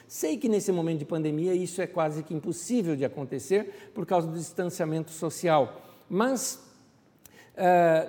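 Mellow male pastor in a reverberant hall. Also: high-pitched. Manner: reflective, conversational, rhetorical questions. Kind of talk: sermon. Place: church.

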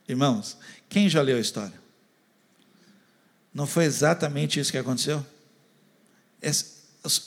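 A man preaching a sermon who swings between loud, animated urging and soft, close appeals, often putting questions to the congregation. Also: sits high. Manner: addresses the congregation directly, asking questions.

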